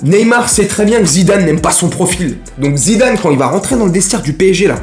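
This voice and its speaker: A man's voice: sits high, expressive, fairly quick, a little mellow, echoey room, faint music behind. A man chatting casually about football transfers, rambling and joking in slang and speaking straight to his viewers. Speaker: football vlogger. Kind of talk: casual mercato chat to camera.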